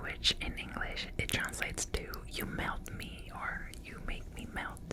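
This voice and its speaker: A woman is whispering, very slowly. Background noise is clearly noticeable. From Mexico. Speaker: ASMR content creator. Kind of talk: ASMR storytime. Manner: whispered; soft-spoken.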